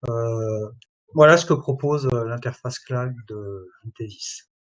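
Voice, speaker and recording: A man presenting and demoing software in a webinar, talking in a halting way and filling pauses constantly. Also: medium pitch. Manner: hesitant, many fillers like voilà and hein. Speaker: product presenter.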